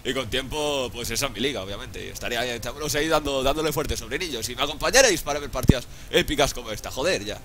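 A young man from Spain with a Spanish accent, commentating his own game excitedly, swearing and laughing often. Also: mid-range voice, fast talker, few pauses, noisy background. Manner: excitable, profane, laughs often, calls viewers "sobrinillos". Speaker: gaming YouTuber.

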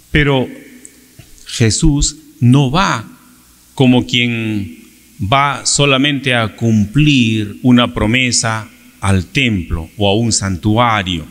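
A middle-aged priest delivers a Sunday homily into a stand microphone at the pulpit. His voice sits a little low and he speaks very slowly, leaning on rhetorical questions. The long reverb of a large church trails every phrase. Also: fairly bright tone. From Peru. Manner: slow, measured preaching with gestures and rhetorical questions.

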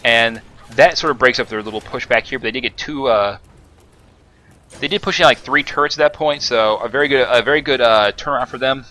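Bright-voiced man narrating his gameplay. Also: medium pitch, a little fast. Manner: rambling, many fillers and self-corrections. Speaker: gaming commentator. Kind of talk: casual gameplay commentary.

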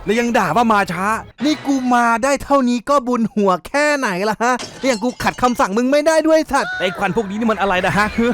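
A man's voice: very high voice, animated, quick pace, few pauses, fairly bright tone, voice pushed up. A man voicing an exhausted young swordswoman who gripes coarsely and sounds exasperated. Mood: griping. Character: worn-out grumbling young swordswoman.

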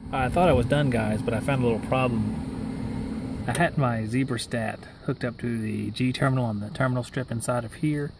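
A man's voice: mid-range voice, moderate pace, vocal fry. A young adult man working as an HVAC technician, explaining matter-of-factly as he works outdoors beside a unit. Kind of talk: on-the-job how-to narration. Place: outdoors beside a rooftop-style AC unit in a yard. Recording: outdoor camera audio with machine noise.

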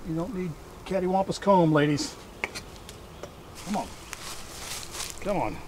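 A man's voice: high voice, unhurried, mellow. A middle-aged man casually narrating as he works outdoors, in a folksy way, as if chatting to himself. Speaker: beekeeper and vlog host. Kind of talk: casual narration while working at a hive. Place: outdoors in a wooded yard. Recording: outdoor audio with clear background noise. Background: outdoor ambience, buzzing insects.

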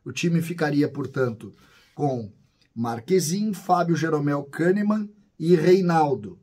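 A man's voice: on the high side, expressive, unhurried, mellow. A man, talking casually to camera about a football team from a small home studio, listing names and asking himself questions. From southern Brazil. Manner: conversational, lists names, asks rhetorical questions. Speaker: football commentator. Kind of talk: casual solo commentary to camera.

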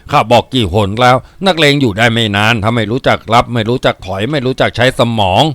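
A man doing a gruff old headman boss. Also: mid-range voice, fast, fairly bright tone, no room sound, natural voice. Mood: brooding. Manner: gruff, brooding, commanding. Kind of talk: audiobook character reading.

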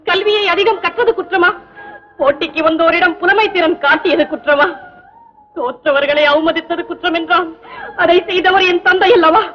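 An actress playing a learned, devout young princess in a 1960s film, speaking in formal literary speech. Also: female voice, very high-pitched. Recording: dull old film soundtrack with music.

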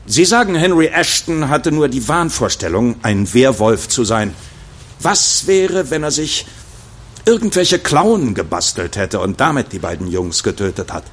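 A skeptical male colleague in a horror radio play. His mid-pitched voice swings in lively fashion as he muses and speculates. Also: unhurried, breathy edge. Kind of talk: German horror audio drama acting.

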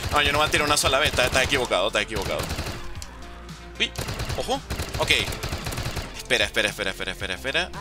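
Excitable young gamer man. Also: mid-range voice, rapid-fire, long pauses. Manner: animated, excitable, talks to viewers. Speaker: gaming YouTuber. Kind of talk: gameplay commentary. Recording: game music behind voice.

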